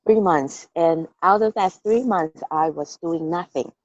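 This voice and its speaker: A woman's voice: on the low side, a little slow, a little mellow, no echo. A woman from Taiwan being interviewed on a team call, telling her story candidly with hesitant restarts and frequent "okay" fillers. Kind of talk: casual interview. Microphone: call recording. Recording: dull lo-fi call audio.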